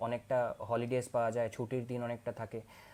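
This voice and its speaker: The speaker is a man with medium pitch. His intonation is monotone and flat. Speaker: student explaining study abroad. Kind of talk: tutorial. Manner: hesitant with filler sounds.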